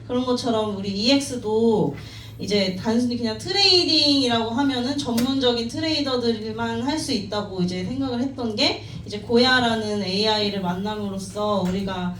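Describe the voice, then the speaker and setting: A woman in her thirties gives a personal talk, modest and quick to laugh at herself. Her voice sits a little high. She sounds distant from the mic, in a roomy, echoing space. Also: a bit bright. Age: 30s. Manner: modest, self-deprecating, laughs often. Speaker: team member giving a talk at a company meeting. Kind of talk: personal story talk to an audience. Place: meeting room. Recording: echoey room, distant mic, faint noise.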